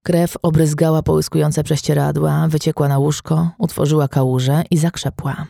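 Gravelly dark-voiced male narrator. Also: fairly high pitch, little pitch movement, moderate pace, no echo, studio quality. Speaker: audiobook narrator. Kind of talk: scripted crime novel narration.

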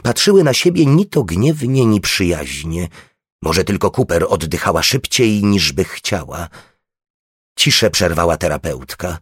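A man narrating an audiobook in a slow, measured reading voice, with a slightly husky tone. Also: sits low, sing-song, no room sound, studio quality.

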